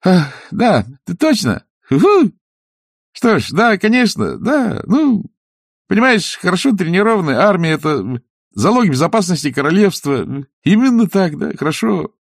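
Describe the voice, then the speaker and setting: A man voicing a shy, flustered young king who stammers and rushes his words. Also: high voice, big pitch swings, gravelly, dry recording, clean studio sound, voice pushed up, exaggerated voice.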